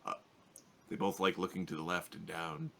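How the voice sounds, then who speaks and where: A man's voice: low-pitched, steady tone, normal speed, gravelly, crowd noise. A man chatting casually as a player in a tabletop game.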